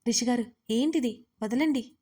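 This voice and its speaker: A woman voicing a grieving young woman, sharp-tongued. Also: mid-range voice, flat delivery, fairly quick, lightly acted. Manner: tearful, then sharp and firm.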